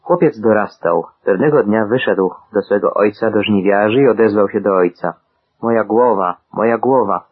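Guy reading bible stories aloud, low-ish husky voice, sounds like thin radio audio. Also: narrow, tinny audio. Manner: steady, measured reading of quoted dialogue. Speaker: scripture reader.

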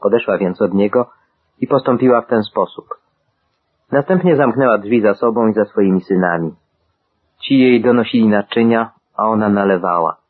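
A man reads scripture aloud in a husky, low voice. His delivery is measured and solemn. The sound is thin and tinny, like a radio broadcast. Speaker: Bible reader. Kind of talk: scripture reading.

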